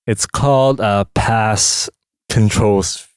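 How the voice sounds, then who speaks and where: A young man from Hong Kong, a musician chatting in a studio interview, talking in a relaxed, halting way with many fillers. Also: fairly low pitch, clean tone, dry recording. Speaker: musician guest. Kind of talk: casual interview chat.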